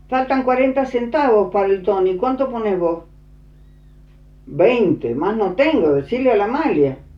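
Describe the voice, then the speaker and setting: Noticeable background noise sits behind a woman with a fairly high pitch. She speaks fairly slowly with very wide pitch swings. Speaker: storyteller. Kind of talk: storytelling, personal memoir.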